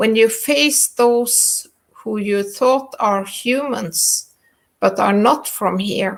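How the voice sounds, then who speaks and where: In a Norwegian accent, a woman speaks at a very slow pace with a fairly high pitch and ordinary pitch variation. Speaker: spiritual group council member. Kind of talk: reading aloud teaching text. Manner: paced in short segments for interpreter.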